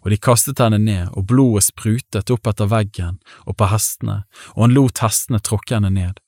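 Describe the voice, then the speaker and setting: A man giving a calm, measured scripted reading of scripture. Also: fairly low pitch, no echo, studio quality. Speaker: Bible reader.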